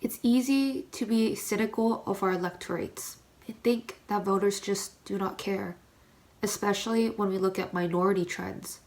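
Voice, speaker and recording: A woman presents scripted explainer narration. Her middle-pitched voice is conversational, with pointed emphasis. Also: normal speed, long pauses, darkish tone.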